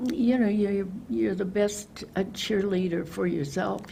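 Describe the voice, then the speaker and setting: The speaker is a woman with a medium pitch and vocal fry. She talks at a very slow pace. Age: 80s+. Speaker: author. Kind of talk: interview answer.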